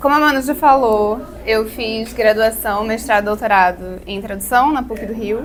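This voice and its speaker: In a Rio de Janeiro accent, a woman talks at a moderate pace with a fairly high pitch and ordinary pitch variation. Her loudness swings widely against noticeable background noise. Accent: Rio de Janeiro (carioca). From Santa Catarina, southern Brazil. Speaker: literary translator. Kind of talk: casual chat. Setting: bookshop cafe with audience.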